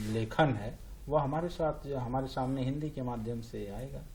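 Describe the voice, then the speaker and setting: A man speaks in a Bihari accent with a dark, mellow tone, somewhat breathy and with fairly even intonation. Audible room echo surrounds his voice. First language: Bhojpuri (speaking Hindi). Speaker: Hindi scholar, panelist. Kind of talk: panel discussion. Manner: halting, many fillers.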